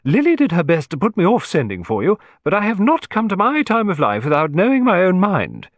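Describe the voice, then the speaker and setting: A man's voice: sits high, huge pitch swings, a little fast, no room sound, clean studio sound, voice pushed up. A man voicing an imperious, outspoken older aristocratic lady who talks bluntly and emphatically. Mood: emphatic.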